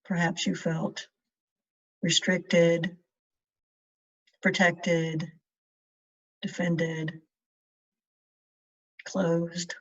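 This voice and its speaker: A woman guides a meditation very slowly, in a fairly low voice. She speaks in measured phrases with long pauses. She sounds set back from the microphone, and the recording is a little dull. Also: flat delivery. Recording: distant mic, dull muffled sound.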